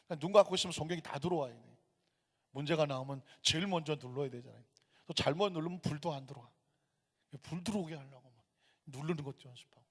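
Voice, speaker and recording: A male pastor preaching a sermon in a church, telling a story with sudden loud, emphatic bursts. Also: on the high side, quick pace, slightly rough. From Gyeonggi, Korea. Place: church sanctuary. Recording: church hall reverb.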